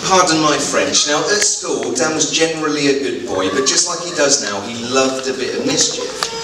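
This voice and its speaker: A man speaks with hardly any pauses. Noticeable background noise and audible room echo fill the recording. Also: moderate pace. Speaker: best man. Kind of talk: best man wedding speech, roast-style comedy. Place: hall. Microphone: camera far.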